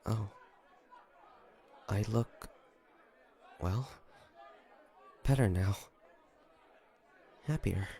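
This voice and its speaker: A man playing a weary, protective demon hunter in a dramatic audio roleplay, with halting, emotional delivery. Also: lowish voice, warm tone, some chatter behind. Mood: reflective, sad. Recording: roomy with long reverb.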